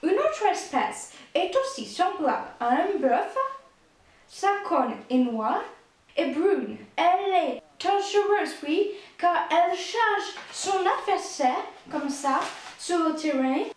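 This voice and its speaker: A woman playing a self-important old-time scholar man, high voice, slow and drawn out, fake accent. he lectures in a bouncing echoey room, like a comedy sketch. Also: very animated, full character voice. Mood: mock-learned. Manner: mock foreign accent, slow lecturing delivery. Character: pompous medieval male encyclopedist, jokey.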